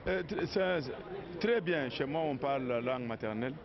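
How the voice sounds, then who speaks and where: A man speaking in a rapid, rambling way in a street interview. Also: medium pitch, lively intonation, vocal fry. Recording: dull lo-fi street recording with crowd.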